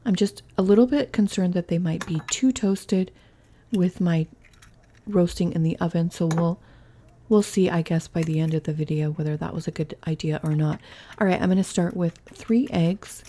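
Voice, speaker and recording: A woman's voice: on the low side, normal speed, mellow, slight background noise. A woman hosting a home cooking vlog, chatting through each step in a casual, thinking-aloud way from her kitchen. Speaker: cooking channel host.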